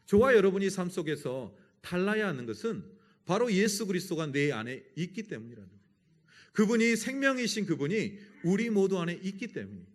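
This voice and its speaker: A man preaches to his congregation in a lively, animated way. His pitch rises and falls widely. He slips into the voices of the people in his stories as he talks. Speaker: pastor. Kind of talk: sermon.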